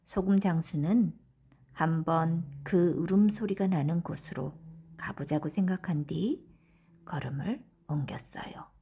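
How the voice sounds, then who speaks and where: A woman narrating a folktale audiobook for bedtime, in a gentle, breathy storytelling manner. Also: lowish voice, measured pace, a little hiss or hum.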